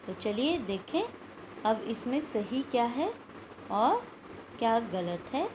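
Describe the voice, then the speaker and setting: A woman's voice: fairly high pitch, big pitch swings, slow pace, background noise. A woman teaching a recorded school Hindi lesson, explaining step by step and repeating words and sounds aloud. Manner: asks questions of pupils, adds "ठीक है" often.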